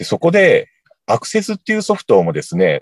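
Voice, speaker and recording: A man's voice, dry and close with no echo. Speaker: tax accountant. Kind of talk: casual interview.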